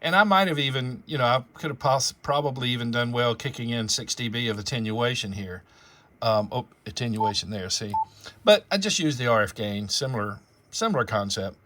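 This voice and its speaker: A man's voice: medium pitch, animated, brisk, a bit bright. A man hosting an amateur radio channel, talking casually and explaining things in a rambling, conversational way. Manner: rambling, conversational, spells out call signs and jargon. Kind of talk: casual explanatory vlog talk.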